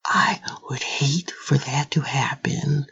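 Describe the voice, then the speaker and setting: A man playing a friendly, concerned office coworker with a breathy voice in an amateur audio drama. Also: on the high side, slow, bright, forceful tone, in a whisper, lo-fi sound, full character voice. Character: friendly, concerned male office coffee runner.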